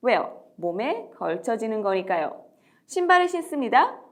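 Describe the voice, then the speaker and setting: A woman teaching everyday English phrases to parents, modelling each phrase slowly and clearly. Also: fairly high pitch, big pitch swings. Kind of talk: slow, deliberate language lesson.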